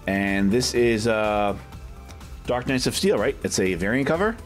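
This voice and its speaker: A man's voice: fairly low pitch, animated, a little slow, soft background music. A man giving a casual shop tour as a vlog host, chatty and off the cuff, often tacking questions onto his remarks. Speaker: video host and comic collector. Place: inside a packed medium-sized shop. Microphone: handheld camera held by the speaker.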